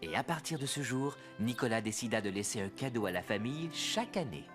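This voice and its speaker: Gentle cartoon father, acted by a man: expressive range, patient storyteller, encouraging delivery over music. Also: mid-range voice, brisk, close to an everyday voice. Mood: tender storytelling. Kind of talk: children's cartoon dub.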